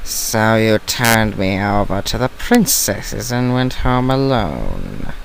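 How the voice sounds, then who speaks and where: Over clear background noise, a man puts on a character voice at a medium pitch, talking fairly slowly with hardly any pauses. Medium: audio drama. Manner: cold, accusing.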